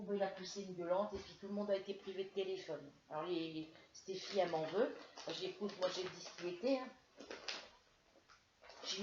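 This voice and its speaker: A woman's voice: on the low side, slight background noise. A woman from France telling a casual, rambling story to her viewers with many hesitations while feeling ill with a headache. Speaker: crafts vlogger. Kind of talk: casual chat to camera. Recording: roomy, dull lo-fi home recording.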